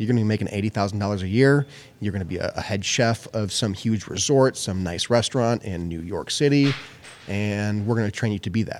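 A man's plain, everyday voice, fairly low in pitch, with an American accent and a fairly quick pace. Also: ordinary pitch variation. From Minnesota, Twin Cities. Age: 30s. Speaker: chef. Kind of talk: casual chat. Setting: coffee shop.

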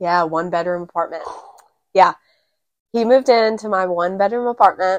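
A woman's plain, everyday voice, medium in pitch, with an American accent, ordinary pitch variation, a dry, close sound with no echo and a quiet background. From Texas. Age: 20s. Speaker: podcast co-host. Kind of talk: casual chat. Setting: outdoor covered porch. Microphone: new microphone.

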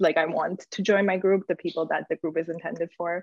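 A woman talks fairly quickly at a fairly low pitch. Her intonation is fairly even, with vocal fry. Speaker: community founder and freelancer. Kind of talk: podcast interview.

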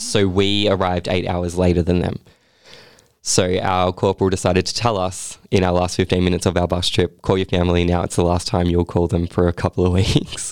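Fairly quick and monotone, a man with an Australian accent and a very deep, low pitch speaks on a very clean recording with a silent background. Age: 20s. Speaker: army recruit. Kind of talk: casual chat.

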